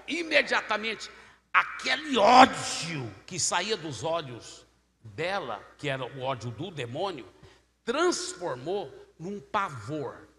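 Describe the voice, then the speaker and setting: A male pastor preaches in a bright, lively voice with a gravelly edge, acting out each voice in his story. He swings from loud to hushed. The sound rings through a large church hall over faint noise. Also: fairly high pitch, slow. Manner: animated, acts out every voice, swings from loud to hushed. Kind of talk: preaching a sermon, telling a story.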